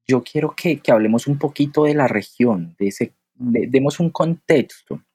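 A man's voice: medium pitch, mellow, husky, no echo, studio quality. A man with a Bogotá Colombian accent, hosting and framing questions with a friendly, curious manner and frequent stammered repeats. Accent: Bogotá Colombian Spanish. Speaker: podcast host.

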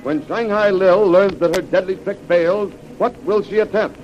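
Man, American, old radio announcer, high voice, dramatic declamation, muffled noisy vintage recording. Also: moderate pace, over music. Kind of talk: old-time radio announcer delivery, scripted.

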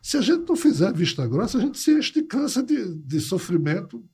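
A man, a podcast guest who explains ideas and tells stories in a relaxed, conversational way. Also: sits high, brisk, husky. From Natal, Brazil. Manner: storytelling, acts out quoted dialogue. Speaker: podcast guest, writer and ufologist.

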